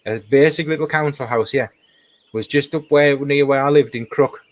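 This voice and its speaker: A man with a slightly hoarse voice, chatting casually as an interview guest and telling anecdotes with emphatic repetition. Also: mid-range voice, normal speed, no room sound. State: slightly hoarse, losing his voice. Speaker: paranormal investigator, interview guest.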